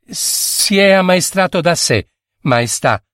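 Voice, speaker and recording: A man voicing a composed peasant girl in a read-aloud fairy tale, answering in a lowered, polite voice. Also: lively intonation, takes it slowly, a bit bright, smooth, no room sound, clean studio sound, exaggerated voice. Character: calm, self-assured peasant girl.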